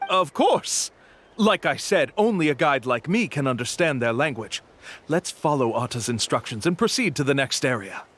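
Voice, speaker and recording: A man voicing a polite young tribal guide in a video game, smooth and formal in his explanations. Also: mid-range voice, animated, moderate pace, a bit bright. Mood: feigned wisdom. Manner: courteous, formal explanatory patter.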